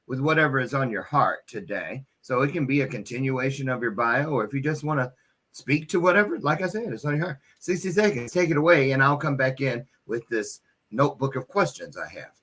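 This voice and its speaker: A man's voice: medium pitch, lively intonation, brisk, a bit bright, slightly rough. A man hosting a casual, chatty online interview in a folksy, playful manner. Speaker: host of an online interview show.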